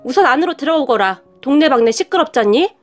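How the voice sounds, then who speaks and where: A woman's voice: high voice, animated, fast talker. A woman voicing her ex-boyfriend's cold, scornful middle-aged mother in a read-aloud story, scolding and talking down. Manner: sharp, scolding, talks down.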